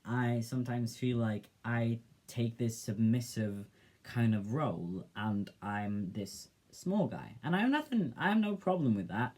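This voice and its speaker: Young man, soft and gentle, mid-pitched, reflective vlog delivery with hesitant fillers. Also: expressive, unhurried. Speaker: vlogger. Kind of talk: casual personal vlog.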